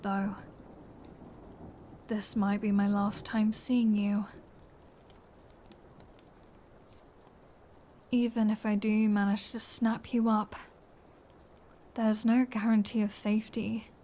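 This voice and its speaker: A woman's voice: mid-range voice, little pitch movement, takes it slowly, pauses often, mellow, slight background noise, close to an everyday voice. A woman voicing a flirty, menacing vampire in an intimate ASMR roleplay, teasing and sardonic, often slipping into a whisper. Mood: teasing menace. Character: flirty, menacing female vampire taunting her captive hunter.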